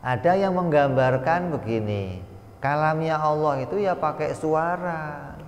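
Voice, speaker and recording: A man giving a slow, explanatory religious study lecture, now and then voicing sound effects for his examples. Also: fairly high pitch. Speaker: religious teacher. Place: pesantren study hall. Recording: echoey hall with long reverb.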